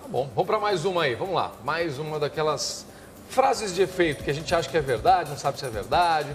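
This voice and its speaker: A man co-hosting a television talk show, lively and quick with reactions. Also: a little high, music in the background. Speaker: TV show co-host. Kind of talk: live TV presenting.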